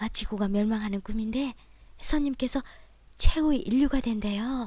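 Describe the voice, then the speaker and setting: A soft-spoken woman with a high pitch, a dark, mellow tone, a calm manner and a fairly slow pace. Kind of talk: audiobook novel reading for sleep. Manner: calm, soft-spoken.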